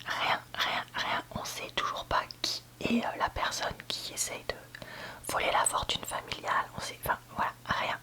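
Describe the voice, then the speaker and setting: A book reviewer giving a candid, hesitant ASMR review in a soft library whisper, often searching for words. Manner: soft library whisper, almost entirely unvoiced. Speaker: book reviewer, video host.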